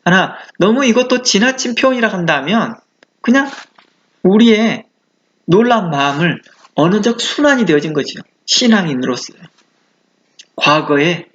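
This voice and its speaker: A man's voice: high voice, lively intonation, normal speed, a bit bright, lo-fi sound. A male pastor giving a conversational sermon, asking the listeners questions and acting out the exclamations he quotes. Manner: conversational preaching with rhetorical questions.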